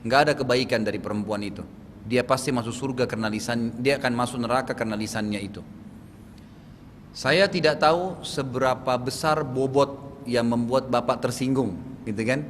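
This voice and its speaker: A man with a Makassar Indonesian accent explains matters of faith to an audience, checking in with his listeners as he goes. His mid-pitched voice carries a long hall reverb. Faint background hum sits under it. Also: moderate pace. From South Sulawesi, Indonesia. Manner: explanatory, repeats "gitu kan?" to check understanding. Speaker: preacher. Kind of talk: religious Q&A lecture.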